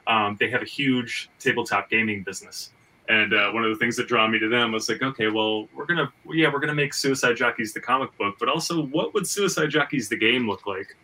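Bright, forceful man, rambling and enthusiastic, off-mic. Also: mid-range voice, fairly quick, far from the mic, rough recording. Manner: rambling, repetitive stammering, enthusiastic. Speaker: podcast host and comic book writer. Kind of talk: casual podcast discussion.

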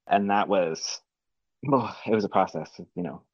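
Deep-voiced man, chatty and laughing. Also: moderate pace, no echo. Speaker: podcast co-host. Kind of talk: casual chat. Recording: slightly dull lo-fi audio.

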